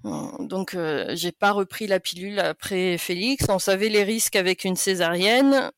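A woman's voice: medium pitch, moderate pace, no echo, clean studio sound. A woman in her late thirties from France, a podcast guest chatting casually and laughing often between sentences. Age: 30s. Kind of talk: casual interview chat.

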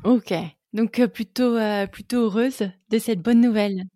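A woman hosts an interview podcast in a fairly high voice. She keeps the guest going with frequent short agreements and quick questions. Her voice is recorded dry and close. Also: fairly even intonation, warm tone, no room sound. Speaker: podcast host. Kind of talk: interview chat.

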